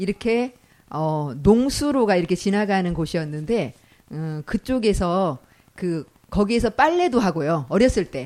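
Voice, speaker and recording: A woman speaks at a fairly slow pace in a medium pitch, her voice making very wide pitch swings. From Iksan, North Jeolla, South Korea. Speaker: local Korean participant. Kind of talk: personal storytelling.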